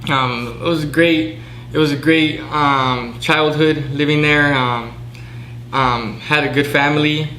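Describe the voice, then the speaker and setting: A man's voice: fairly high pitch, takes it slowly, reverberant, slight background noise, low-quality recording. A man in his twenties from Southern California, a pro boxer talking casually as a guest with lots of fillers. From Southern California, USA. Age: 20s. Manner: relaxed, fillers, flat delivery. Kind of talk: casual interview.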